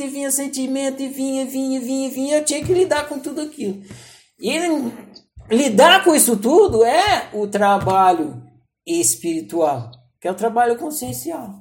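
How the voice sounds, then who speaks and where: A man tells a personal story as a spiritual teacher. He is animated and playful, and he acts out his inner debates with lots of back-and-forth fillers. His delivery is casual and conversational. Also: very high-pitched. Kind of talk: storytelling talk.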